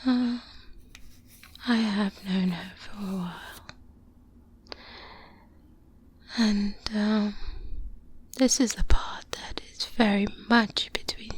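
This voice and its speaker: A woman playing a seasoned, secretive vampire hunter in an ASMR roleplay, in a hushed, breathy whisper with many pauses, close to the microphone. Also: mid-range voice, fairly even intonation. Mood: confiding. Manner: slow, hushed, confiding, pausing often. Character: seasoned female vampire hunter mentor, secretive, wry, pragmatic. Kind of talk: soft-spoken ASMR roleplay. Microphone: close binaural microphone. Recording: close-up binaural mic, light background noise.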